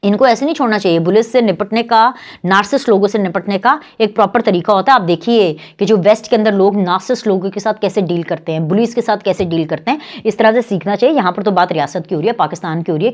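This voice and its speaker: A woman's voice: medium pitch, fast. A woman in her thirties with a Pakistani Urdu accent, hosting her own show and delivering a heated, mocking political monologue. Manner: scornful, mocking, animated. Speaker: political commentary show host.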